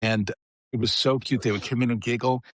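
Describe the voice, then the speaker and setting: A man's voice: medium pitch, steady tone, fairly quick, husky, dry recording, clean studio sound. A man guest on a podcast, telling stories in a rambling way with many restarts. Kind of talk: casual storytelling chat.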